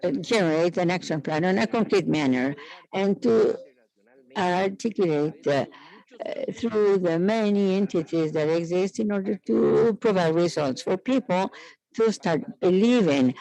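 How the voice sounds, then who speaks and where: A man giving live interpreted conference speech in halting, piecemeal phrases with frequent hesitations. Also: high-pitched, vocal fry, mellow, low-quality recording.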